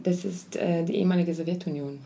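A woman's voice: on the low side, fairly even intonation, fast talker, gravelly, mellow, a little hiss or hum. A young woman from Kazakhstan co-hosting a podcast, chatting casually with many fillers and frequent laughs. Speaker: podcast co-host.

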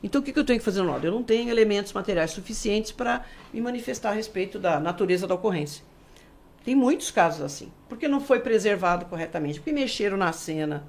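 A woman's voice: medium pitch, quick pace. A middle-aged woman with a Brazilian accent, a forensic expert explaining cases in a casual interview. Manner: animated, explanatory, acts out quoted speech.

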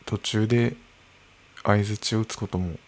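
A man in his early thirties talking alone into a microphone in his room, slow and musing, with soft laughs. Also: fairly low pitch, fairly even intonation. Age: early 30s. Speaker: podcast host. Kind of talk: unscripted solo podcast talk. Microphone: podcast microphone.

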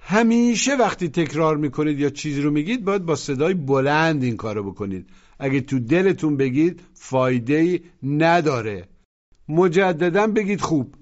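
Patiently prompting his listeners to echo him, a man delivers instructional narration for a language lesson. His fairly high voice is expressive, though the lo-fi recording sounds muffled.

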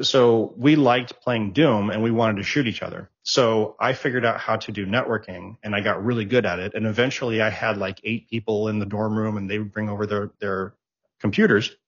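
A man's voice: on the low side, breathy edge, highs cut off. A middle-aged man in a casual interview, a rambling storyteller who restarts and repeats words as he goes. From raised abroad, born in Japan, raised in Germany. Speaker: interview guest, tech professional.

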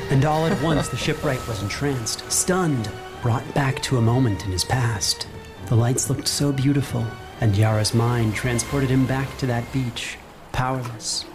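Solemn male horror-fantasy narrator over music. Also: medium pitch. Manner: solemn, suspenseful storytelling. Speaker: game master and narrator. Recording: loud music bed.

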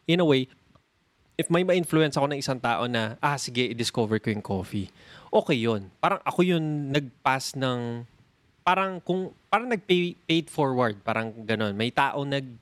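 Animated Filipino podcast co-host, dry sound. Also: male voice, medium pitch, measured pace, no echo. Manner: enthusiastic, mixes English into Tagalog, joking. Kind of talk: casual chat.

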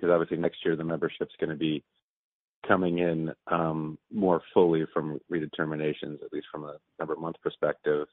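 A man's voice: extremely low pitch, no room sound. A man asking questions as a financial analyst on an earnings call, in a conversational, roundabout way. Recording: dry, narrow telephone line.

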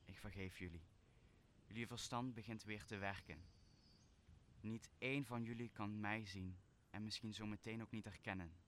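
A student actor playing a solemn, wronged sorcerer who turns to forgiveness in a Shakespearean radio play, with deliberate, declamatory delivery. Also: male voice, fairly low pitch, steady tone, fairly bright tone, a little hiss or hum, close to an everyday voice. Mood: stern, forgiving.

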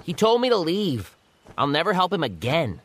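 A woman's voice: fairly low pitch, wildly swooping pitch, normal speed, voice pushed down. A woman voicing a proud, hot-tempered male monkey king in a storybook reading, speaking firmly. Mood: scornful.

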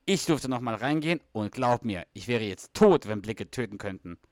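A man's voice: mid-range voice, animated, moderate pace, no echo, clean studio sound, lightly acted. A man voicing a boastful middle-aged husband at the dinner table, reading sitcom dialogue in a brash, defensive way. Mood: pleading. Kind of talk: read-aloud sitcom dialogue.

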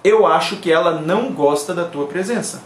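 A man's voice: fairly high pitch, moderate pace, roomy sound, a little hiss or hum. A Brazilian man whose first language is Portuguese, hosting a playful live-stream language lesson and switching between languages.

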